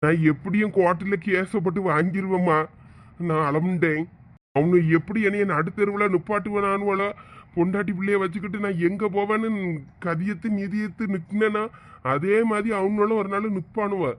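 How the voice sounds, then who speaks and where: A man's voice: sits high, fairly even intonation, moderate pace, close to an everyday voice. A man playing a ruined middle-aged village man who laments losing his property. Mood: lamenting. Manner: tearful, lamenting. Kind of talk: village comedy skit.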